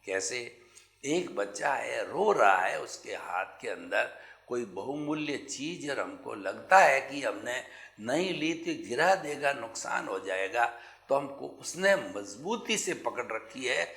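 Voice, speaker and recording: Slow, animated Hindi-speaking male preacher. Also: medium pitch, gravelly, reverberant. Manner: slow, animated preaching with vivid everyday examples. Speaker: spiritual teacher. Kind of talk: spiritual discourse.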